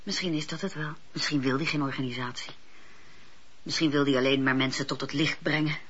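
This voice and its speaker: An actress playing a sensible, doubtful woman in a Dutch radio drama, with a husky voice. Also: sits low, fairly even intonation, fairly quick, fairly bright tone, a little hiss or hum. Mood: resigned. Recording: dull lo-fi radio play recording.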